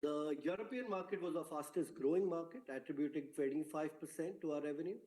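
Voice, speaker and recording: Exec guy on an earnings call, echoey room, soft mellow voice, measured n formal, reading out prepared remarks. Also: on the high side. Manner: measured, formal corporate delivery. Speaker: company executive. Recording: roomy, echoing conference call audio.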